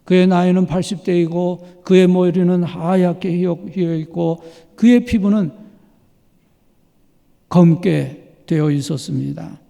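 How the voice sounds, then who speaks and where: A middle-aged man preaching a sermon as pastor, earnest and measured, with dramatic pauses. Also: high-pitched, fairly even intonation, vocal fry, mellow. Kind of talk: sermon with illustrations. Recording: long hall reverb.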